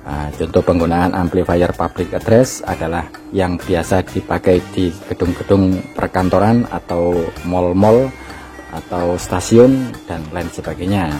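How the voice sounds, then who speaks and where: A man with a very low voice and a Javanese-region Indonesian accent narrates an informal explainer. He speaks colloquially, addressing the listener like a buddy. Music plays clearly behind him. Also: fairly even intonation, a little slow, warm tone. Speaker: DIY electronics video host.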